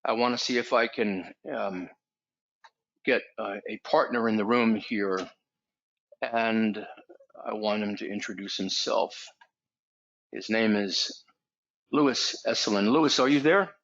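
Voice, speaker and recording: A man's voice: fairly low pitch, slow, pauses often, a bit bright. A man hosting a live webinar, speaking hesitantly with frequent ums. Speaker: webinar host, trading instructor. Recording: lo-fi webinar audio.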